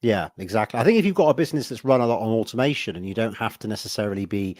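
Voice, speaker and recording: A man's voice: lowish voice, lively intonation, rapid-fire, a little mellow, no echo, studio quality. A young man with a West Country English accent, hosting a podcast interview in a friendly, rambling way. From Southwest England. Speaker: podcast host. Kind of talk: casual interview questions.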